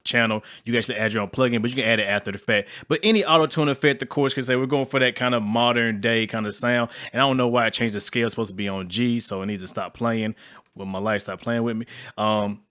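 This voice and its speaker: A man with a low voice giving a casual, slangy music-production tutorial, rambling with fillers. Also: steady tone, quick pace, fairly bright tone. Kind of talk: casual screen-recorded tutorial.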